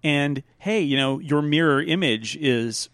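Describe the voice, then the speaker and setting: A man co-hosting a podcast, chatting casually about a TV episode with quick asides, fillers and restarts. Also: on the high side, fairly bright tone, clean tone, no echo, clean studio sound. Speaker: podcast co-host. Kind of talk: casual chat reviewing a TV episode.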